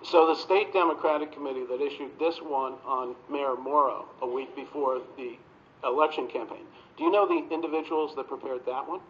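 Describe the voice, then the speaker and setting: A man's voice: medium pitch, fairly even intonation, fairly quick, a bit bright, a little hiss or hum. A man speaking at a town board meeting during public comment, pressing the members with pointed, insistent questions. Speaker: resident addressing a town board. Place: town hall meeting room. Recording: muffled lo-fi phone video.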